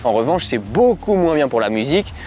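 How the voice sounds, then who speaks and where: A man's voice: mid-range voice, big pitch swings, fairly quick, darkish tone. A man with a French accent giving a casual, conversational product review, explaining things as he goes. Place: outdoors on a cycling outing. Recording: clear outdoor ambient and traffic noise.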